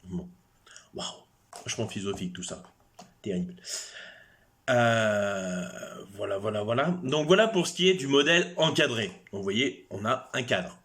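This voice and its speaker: A man's voice: lowish voice, lively intonation, moderate pace, long pauses, fairly bright tone. Hesitant man explaining casually. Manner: hesitant, many fillers and restarts, chatty asides. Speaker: video creator.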